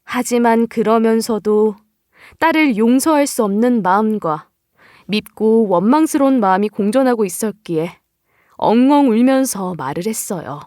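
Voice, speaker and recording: A woman narrating a first-person story for story radio in a slow, mournful way. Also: fairly high pitch, animated, dark tone, dry recording, clean studio sound.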